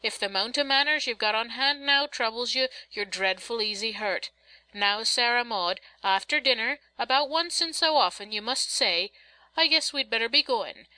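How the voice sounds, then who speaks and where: Woman as storybook working-class mother, bossy, sarcastic, folksy rural speech, sharp bright tone, close dry sound. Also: on the high side, expressive, normal speed, no room sound, voice pushed up, poor audio. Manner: rustic folksy dialect, scolding and instructing. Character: bossy, sarcastic but loving working-class mother drilling her children.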